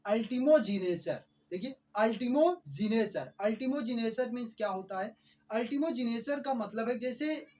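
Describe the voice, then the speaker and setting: Lively questioning male vocabulary teacher. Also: very high-pitched. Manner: asks himself quick questions and repeats each word. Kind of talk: explanatory vocabulary lesson.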